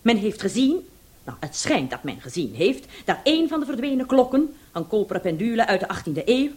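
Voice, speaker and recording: Female police chief, radio drama, dry and authoritative, very lively intonation, self-assured. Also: a little high, brisk. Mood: wry, intrigued. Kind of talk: radio play acting.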